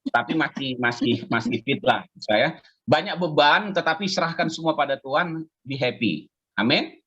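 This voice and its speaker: A man in his fifties delivers a conversational sermon, pausing often to ask his listeners to respond. His voice is slightly husky. The sound is dull and lo-fi, the way audio comes through an online meeting. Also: on the high side, animated, pushed and bright. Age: 50s. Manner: conversational, chatty preaching with audience call-and-response. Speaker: pastor.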